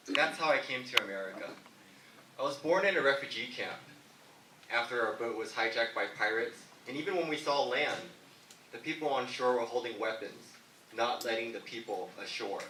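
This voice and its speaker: A man's voice: medium pitch, normal speed, sharp tone, slight background noise. A man, a mayor running for office, answering in a political debate with an earnest, storytelling manner. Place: debate hall. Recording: echoey hall from far off.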